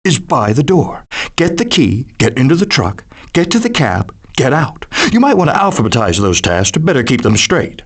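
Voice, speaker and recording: A man's voice: mid-range voice, very animated, moderate pace, breathy edge. A man voicing a melodramatic, doting father possum in a cartoon video game, with a pompous, theatrical, declamatory manner. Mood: pompous, grandiose. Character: melodramatic, hammy male possum, doting middle-aged father. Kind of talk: animated video game voice acting.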